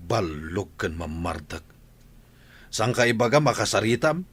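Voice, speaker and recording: A strict, quick-tempered father, played by a man who lectures his wife in a low voice. His pitch swings widely, and his tone is bright and forceful. He is an audio drama character. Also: sing-song, slightly rough, exaggerated voice. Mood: scolding. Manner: scolding, shouts when angry.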